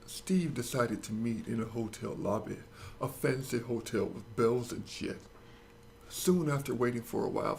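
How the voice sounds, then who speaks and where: A male host narrates a mock-dramatic comic story, crude and sarcastic, milking every beat. His mid-pitched voice has a gravelly rasp, with faint hiss behind it. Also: darkish tone.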